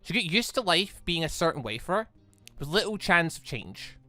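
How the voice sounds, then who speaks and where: A gaming video host with a chatty, animated manner, giving casual commentary and reading game text aloud. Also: medium pitch, moderate pace, faint music behind.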